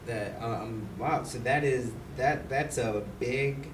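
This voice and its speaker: A male host fumbles agreeably through his questions, full of fillers. He sounds far from the mic in an echoey room, with a loud hiss underneath. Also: mid-range voice, slow. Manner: hesitant, agreeable, many fillers. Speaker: talk show host. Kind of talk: talk show interview. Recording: roomy, distant mic with loud noise.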